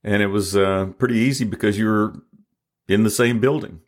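A man hosting a podcast, telling a history story in a measured way and then interviewing his guest. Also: on the low side, steady tone. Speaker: podcast host. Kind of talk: scripted narration and interview. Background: faint guitar music.

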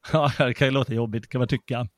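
A man's voice: mid-range voice, no room sound, clean studio sound. A man co-hosting a casual chat about poetry, telling stories with lots of fillers and restarts. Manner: animated storyteller with many fillers. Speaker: podcast co-host.

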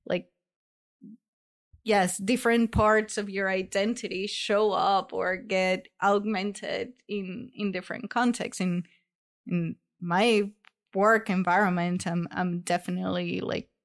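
Woman talking hesitantly with many fillers. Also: mid-range voice. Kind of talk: reflective conversation.

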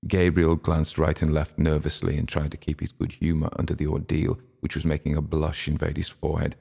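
A man narrating a literary audiobook in a very low voice. His tone has a gravelly, creaky texture, and he reads in a measured, steady way.

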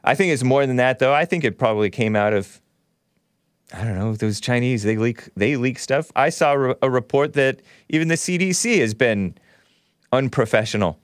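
A man in his thirties hosts a casual call-in talk show. His voice sits at a medium pitch, recorded dry with very little room sound. He speaks bluntly, in relaxed slangy phrasing. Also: moderate pace, dry recording. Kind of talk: casual call-in commentary and caller chat.

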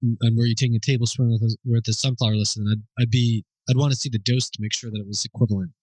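A man hosting a question-and-answer session, thinking aloud as he answers listener questions in an informal, explanatory way, with pauses and self-corrections. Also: medium pitch, flat delivery, a little mellow, husky, no echo, poor audio.

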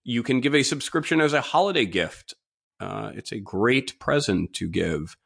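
A man with a mid-pitched voice and a mildly stuffed-up nose speaks alone as a podcast host. He is informal and opinionated, stressing his points with repeated words as he delivers his monologue. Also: expressive, moderate pace, creaky, a bit bright, husky. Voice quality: slightly congested, stuffy nose. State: mild nasal congestion from a cold-like illness.

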